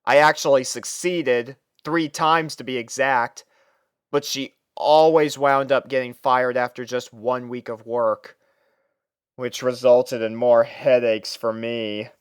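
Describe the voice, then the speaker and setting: Expressive man reading a story, smooth clear voice. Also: mid-range voice, slow pace, no room sound, studio quality. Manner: expressive, theatrical delivery with sighs. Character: exasperated young male student narrating his life with a roommate. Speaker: fan fiction reader. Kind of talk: dramatic first-person story narration.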